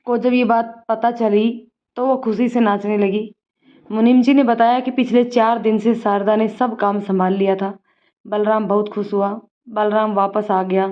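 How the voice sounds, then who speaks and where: A woman narrates a story in a calm, steady voice. Her pitch sits in an ordinary middle range. The recording is muffled and lo-fi. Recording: dull lo-fi recording.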